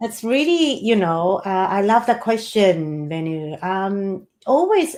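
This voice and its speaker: In a Japanese accent, the speech moves at a very slow pace with very wide pitch swings. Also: woman, medium pitch for a woman. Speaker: cross-cultural trainer. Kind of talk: interview. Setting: podcast.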